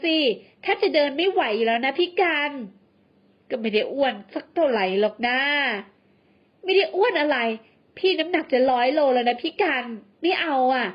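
A woman's voice: sits high, animated, normal speed, muffled recording. A woman voicing a teasing young woman who talks in a cute, mocking way. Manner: teasing, girlish.

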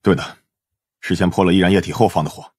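男演员演绎的低沉沙哑、办事干练的男调查员. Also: male voice, deep voice, fairly even intonation, fast talker, darkish tone, husky, no room sound, studio quality. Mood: serious. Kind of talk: Mandarin audiobook drama acting.

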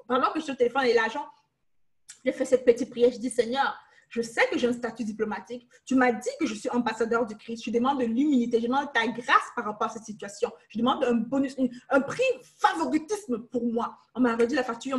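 A young woman leading a Bible study over a webcam from her living room, emphatic and repetitive, slipping English words into her teaching. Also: fairly high pitch. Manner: emphatic, repeats phrases, mixes in English words. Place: living room, seated in armchair. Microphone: webcam on a video call.

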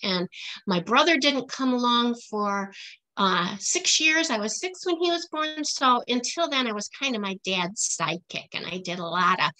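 A woman's voice: fairly high pitch, pushed and bright, poor audio. A middle-aged woman, a guest author, chatting casually and answering questions in simple, explanatory phrases for children over a video call. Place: small indoor room at home. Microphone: computer mic on a video call.

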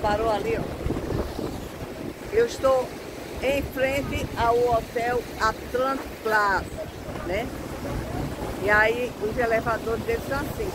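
A woman's voice: fairly high pitch, slow pace, pauses often. A woman, chatting casually to viewers while walking along a seaside promenade at night, holding the camera at arm's length. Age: 60s. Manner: chatty, pointing things out to viewers while strolling. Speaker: vlogger. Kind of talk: casual walking vlog narration. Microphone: camera held at arm's length. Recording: loud wind and traffic noise outdoors.

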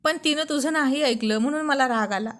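A woman's voice: high-pitched, fairly quick, fairly bright tone. A woman voicing a playful, teasing young husband in a spoken storybook. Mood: earnest. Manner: playful, bantering. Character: young married man, teasing and romantic.

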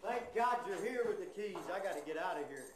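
A man playing an excitable townsman of the Wild West in a live-action video game. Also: sits high, fairly quick, echoey room. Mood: alarmed, urgent. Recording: noisy old video game audio.

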